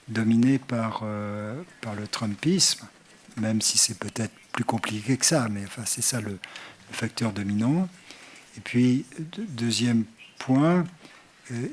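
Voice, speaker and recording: A man moderating a conference panel discussion, speaking haltingly with many fillers and restarts. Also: mid-range voice, slight background noise. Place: conference hall stage.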